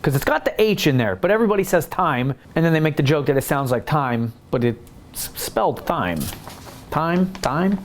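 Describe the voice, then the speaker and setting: A man's voice: fairly high pitch, a little fast, slight background noise. Chatty man teaching home cooking. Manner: relaxed, chatty, explains as he works. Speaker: home cooking channel host. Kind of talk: casual step-by-step cooking tutorial. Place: home kitchen.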